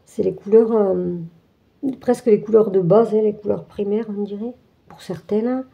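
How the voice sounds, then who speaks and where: A woman's voice: medium pitch, steady tone, moderate pace, creaky, muffled recording. A woman hosting a craft channel, chatting through an unboxing with many fillers and restarts. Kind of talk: casual unboxing walkthrough.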